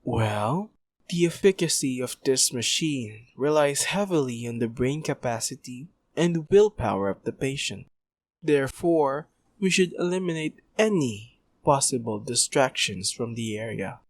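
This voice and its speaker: A man's voice: medium pitch, lively intonation, unhurried. A man playing a formal, pompous doctor in an audio roleplay, speaking in long-worded clinical phrases. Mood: coolly insistent. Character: formal, pompous male doctor, smoothly evasive scientist. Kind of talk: ASMR audio roleplay acting.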